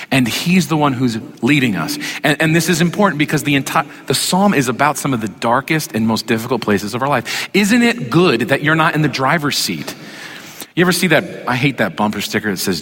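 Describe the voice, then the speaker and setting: A man's voice: mid-range voice, bright, forceful tone, husky. A man preaching a sermon as a pastor, talking in a loose, joking, conversational way straight to the congregation. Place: church sanctuary. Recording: long reverb of a church hall.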